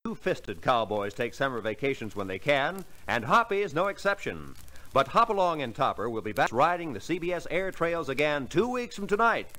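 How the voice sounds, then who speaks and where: A man's voice: fairly high pitch, very animated, moderate pace, bright, forceful tone. A man announcing a scripted program in formal 1940s radio style.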